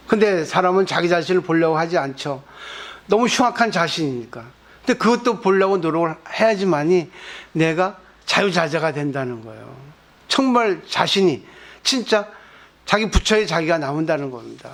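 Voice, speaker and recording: At a weekend temple service, a Buddhist monk gives a conversational sermon, frequently posing rhetorical questions to his listeners. His male voice is on the high side.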